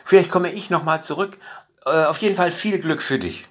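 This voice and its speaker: A male storyteller voicing a hurried traveling man in a fairy tale, polite but evasive, in a raised, brighter voice. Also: fairly high pitch, pitched above the performer's own voice.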